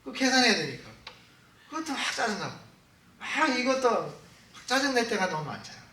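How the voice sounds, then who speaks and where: Male pastor, sermon, high voice, echoey hall with a distant mic. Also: big pitch swings, brisk, sharp tone, slight background noise. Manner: chatty, joking, acts out everyday scenes. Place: church hall.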